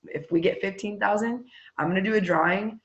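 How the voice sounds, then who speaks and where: A woman's voice: mid-range voice, a little fast, lo-fi sound. A woman leading a team meeting on a video call, chatty and upbeat as she hypes up sales goals and runs prize drawings. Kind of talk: casual enthusiastic pep talk on a video call.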